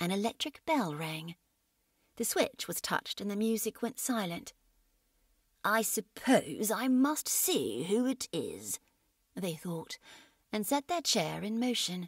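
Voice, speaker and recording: A woman speaks at a fairly slow pace, with vocal fry and very wide pitch swings. Her long, frequent pauses sit in a dry recording with no echo and a quiet background. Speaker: voice actor. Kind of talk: audiobook narration, reading aloud a dystopian story. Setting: audition recording for voice-over contest. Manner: dramatic, measured, atmospheric. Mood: measured, expressive storytelling. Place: booth. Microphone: studio mic.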